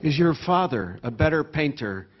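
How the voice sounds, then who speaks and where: A man's voice: fairly high pitch, animated, normal speed. A man acting as questioner, reading questions aloud to a guest. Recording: dull sound with faint noise.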